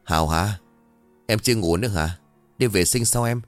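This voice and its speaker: A man's voice: lowish voice, moderate pace, no echo, soft background music, natural voice. A man voicing a weary, irritable middle-aged man. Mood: uneasy.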